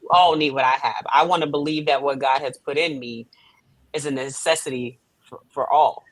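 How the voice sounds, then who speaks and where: Woman with a really low voice, earnest emphatic interview talk, very dry sound. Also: fairly even intonation, normal speed, dry recording, rough recording. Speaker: playwright and director, guest.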